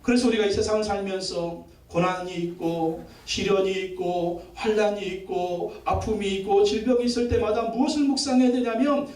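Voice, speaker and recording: A pastor's fairly high voice carries through a reverberant church sanctuary, picked up from a distant microphone. He preaches a Sunday sermon and builds toward emphatic, repeated declarations. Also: fairly even intonation, normal speed, few pauses, darkish tone. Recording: echoey church hall, voice from a distant mic.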